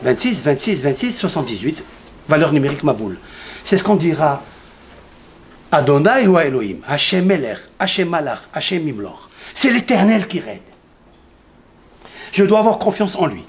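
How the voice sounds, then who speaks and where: A man's voice: on the high side, very animated, moderate pace, long pauses. A man giving a Torah lesson in a synagogue, firing questions at his listeners, answering them himself and repeating key numbers emphatically. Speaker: rabbi teaching a Torah class. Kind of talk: lively Torah lesson to a congregation.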